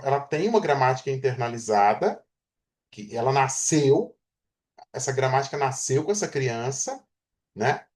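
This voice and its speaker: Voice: mid-range voice, a little mellow. A Portuguese teacher giving a grammar lecture, explaining through everyday examples and often checking in with the class.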